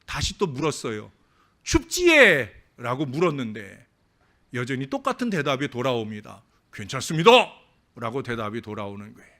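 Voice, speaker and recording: A male pastor preaching a sermon in a church, swinging between loud emphatic lines and quiet asides, and telling anecdotes with acted-out voices. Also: medium pitch, lively intonation, brisk. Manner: tells jokes as anecdotes, acting out the speakers. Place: church sanctuary.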